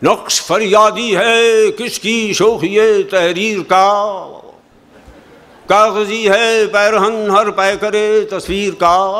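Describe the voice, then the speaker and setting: A high-pitched male voice in a flat monotone, over noticeable background noise. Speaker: actor, broadcaster and poetry reader. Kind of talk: poetry reading.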